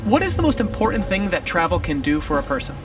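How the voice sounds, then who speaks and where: A man asking upbeat, rapid-fire interview questions in an eager, playful way. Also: high-pitched, sing-song. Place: backstage at an arena venue. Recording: distant mic with music behind.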